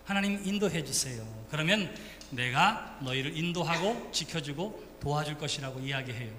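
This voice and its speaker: A man's voice: fairly high pitch, pushed and bright. A man leading a playful children's sermon as pastor, coaxing the kids and calling them by name. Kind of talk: children's sermon with a live demonstration. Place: church sanctuary. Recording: reverberant hall, faint room noise.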